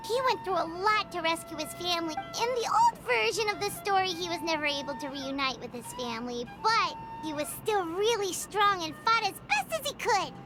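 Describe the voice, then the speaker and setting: A woman voicing a tiny, excitable female fairy companion who talks about herself in the third person, in a game. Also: extremely high pitch, brisk, hardly any pauses, poor audio. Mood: chirpy. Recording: game audio with loud music.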